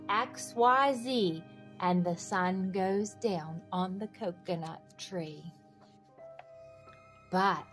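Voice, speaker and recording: Speaking in a mid-range voice, a woman reads a picture book to young children. Her delivery is expressive and sing-song, and she addresses her little listeners directly.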